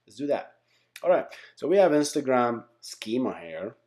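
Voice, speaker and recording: A tech teacher who hosts his own channel gives a casual, whiteboard-style lesson, explaining by example in a rambling way and often repeating and correcting himself. His voice is medium-pitched and a little mellow, with a sing-song lilt and a moderate pace.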